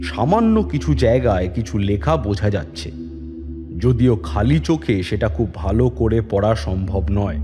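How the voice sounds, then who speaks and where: Male narrator-detective, low and authoritative, reverby with music under. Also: very animated. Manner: measured, authoritative. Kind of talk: first-person audio drama narration. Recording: long reverb with music bed.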